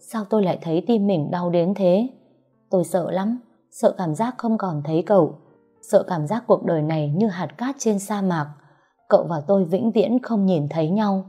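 A woman narrating an emotional first-person love story in a soft, heartfelt way. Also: lowish voice, husky. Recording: slightly muffled, soft background music.

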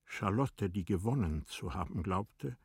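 Male literary narrator: sober, measured, on the low side, breathy grain. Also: lively intonation, dry recording, clean studio sound.

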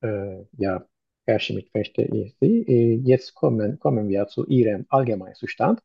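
Halting man with a gravelly, husky voice. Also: lowish voice, no room sound. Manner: slow, halting, many "äh" and "mhm". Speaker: doctor taking a history. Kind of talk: medical exam role-play. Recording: dull lo-fi recording.

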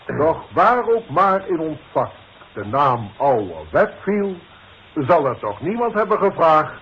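Solemn, paternal boss for 1960s radio play: slow, swooping oratory, dull vintage recording. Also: male voice, on the high side, big pitch swings, slightly rough, heavily acted. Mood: ceremonious. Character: formal, paternal boss giving a ceremonial farewell speech. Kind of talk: 1960s radio drama acting.

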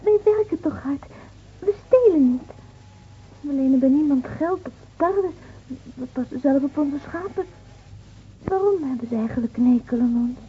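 A woman's voice: sits high, lively intonation, normal speed, long pauses. An actress playing a naive, devout young shepherd girl in a radio play, earnest and full of questions. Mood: puzzled, plaintive. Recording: tinny, noisy old radio play recording.

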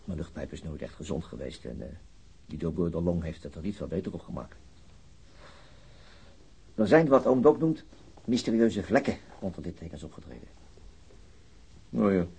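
A middle-aged wounded policeman in a radio drama, gloomy and wry. His low voice is very husky and full of gravelly creak. He speaks in a subdued, weary, hesitant way, with a sardonic edge. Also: expressive, moderate pace, long pauses, dark tone, heavily acted. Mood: wry, resigned. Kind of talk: naturalistic radio play acting.

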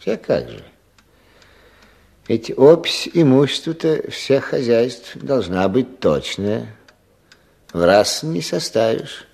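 An actor playing a weary, patient older village official in a Russian radio play, with an unhurried, avuncular, sighing manner. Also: male voice, medium pitch, sing-song, gravelly, darkish tone, full character voice. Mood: patient, thoughtful.

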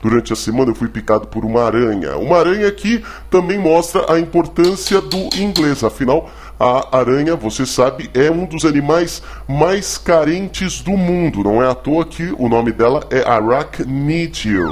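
A man with a Brazilian accent hosting a comedy call-in lesson as a mock teacher, halting and stammering over his explanations. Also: on the high side, lively intonation, a little hiss or hum. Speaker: host playing a mock English teacher.

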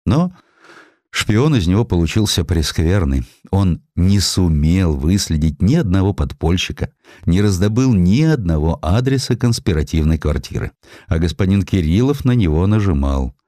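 A male narrator tells a historical tale in a deep, mellow voice. His delivery is dramatised and very expressive in pitch, and the sound is close and dry. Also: moderate pace, dry recording.

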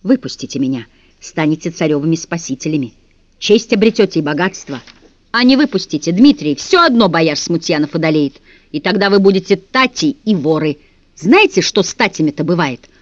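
A man's voice: fairly high pitch, lively intonation, fairly quick, no echo, lightly acted. A man voicing a bold sixth-grade boy who pleads with his guards in a storybook reading, over a dull, dry recording. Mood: insistent.

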